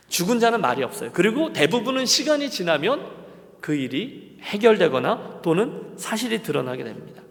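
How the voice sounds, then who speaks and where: A man's voice: on the high side, creaky. Middle-aged male pastor, earnest sermon delivery with a rising and falling voice, recorded in a reverberant sanctuary. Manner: earnest, addresses the congregation directly. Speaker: senior pastor. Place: church sanctuary at a Friday service. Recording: long church hall reverb.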